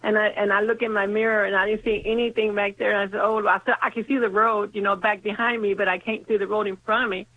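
A woman's voice: medium pitch, flat delivery, quick pace, few pauses. A congested woman with a sinus infection, calling into a radio show and telling a story earnestly, often repeating her words. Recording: tinny phone line.

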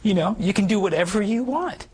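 A man around fifty with a hoarse, damaged voice, earnestly telling his life story as an interview guest, halting and full of restarts. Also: sits high, expressive, darkish tone, slight background noise. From Canada. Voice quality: hoarse, gravelly voice. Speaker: guest sharing his testimony. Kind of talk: personal testimony in conversation.

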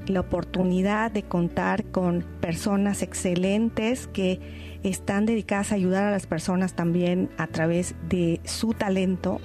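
A woman hosts a Catholic radio program, her voice mellow and relaxed. She reads prayers and scripture in a measured, prayerful way, with soft music faintly underneath. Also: medium pitch. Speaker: radio host.

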